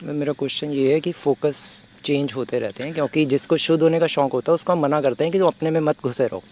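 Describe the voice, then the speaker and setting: A man's voice: on the high side, steady tone, quick pace, a little mellow. A man, a devotee, earnestly raising questions in a spiritual discussion.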